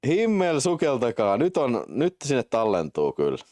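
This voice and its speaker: A man hosting a live stream, chatting casually with viewers and swearing at his own slips, then calling a game's events in quick excited play-by-play. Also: dry recording, clean studio sound. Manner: swearing, self-mocking, jumps to excited high-pitched play-by-play. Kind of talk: casual live-stream chat and game commentary.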